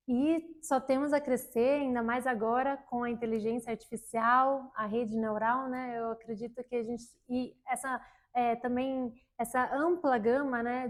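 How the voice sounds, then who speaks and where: Soft-spoken woman engineer. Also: fairly high pitch. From Germany, raised in Brazil. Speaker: guest, electrical engineer. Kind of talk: casual interview talk.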